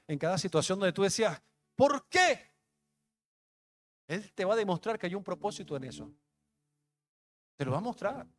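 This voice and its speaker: Here a young man who pastors gives his own testimony in an emotional, conversational sermon, mixing street slang into the storytelling. He speaks on the higher side with a somewhat dark tone.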